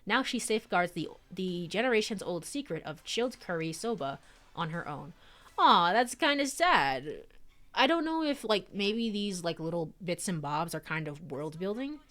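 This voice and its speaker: A woman reading a visual novel aloud on stream and chatting between lines, often giggling and trailing off into fillers. Her voice sits low for a woman but swings all over in pitch, so she sounds animated. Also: moderate pace. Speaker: streamer and let's-player.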